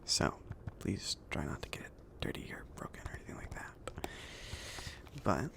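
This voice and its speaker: A man playing a chill, friendly mage in an ASMR roleplay, speaking softly between whisper and murmur in a casual, hesitant, rambling way. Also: normal speed, close to an everyday voice. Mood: relaxed, explanatory. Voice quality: soft, breathy whispering mixed with murmured speech. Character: chill, friendly male mage kindly outfitting his apprentice.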